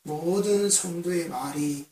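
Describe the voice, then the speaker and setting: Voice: medium pitch, takes it slowly, darkish tone. Fervent preacher in an echoing sanctuary. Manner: fervent, repetitive preaching cadence with rising emphatic peaks. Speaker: pastor. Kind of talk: impassioned sermon. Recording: roomy, distant from the mic.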